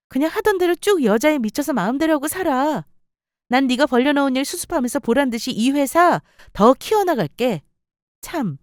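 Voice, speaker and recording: Composed, cutting wife in a story radio drama, voiced by a woman. Her voice sits a little high and sounds dry and close. Every sentence carries cool mockery. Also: dry recording, close to an everyday voice. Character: calm, cutting wife who takes over company. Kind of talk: story radio role-play.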